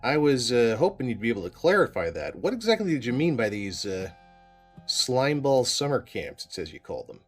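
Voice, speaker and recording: A steady police sergeant with a mid-range voice, polite yet pushing for answers. Faint music plays under this audio drama. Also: male voice, medium pitch, fairly quick. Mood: persistent. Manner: calm, polite, insistent. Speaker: police investigator.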